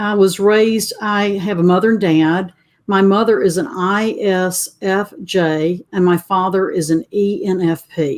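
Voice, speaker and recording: A woman with a strong Southern US accent and medium pitch speaks at a fairly slow pace with ordinary pitch variation. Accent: heavy Southern US. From US South, Alabama. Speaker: executive coach and consultant. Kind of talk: interview. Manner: animated.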